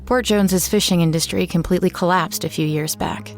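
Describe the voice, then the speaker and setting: Low-voiced, subdued woman an actress narrating drama. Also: brisk, soft background music, lightly acted. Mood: wistful, sober. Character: wary local woman back in her declining hometown. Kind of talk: first-person audio drama narration.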